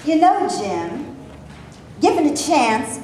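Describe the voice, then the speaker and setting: A woman playing a sharp-tongued, scornful black actress in a staged reading before a live audience, in a very echoey room with faint noise. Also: high-pitched, sing-song, slow pace, heavily acted.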